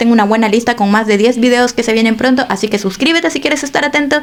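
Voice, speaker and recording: A woman with a fairly high pitch speaks very fast in an animated tone over noticeable background noise. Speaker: art and color educator, YouTuber. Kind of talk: educational video monologue.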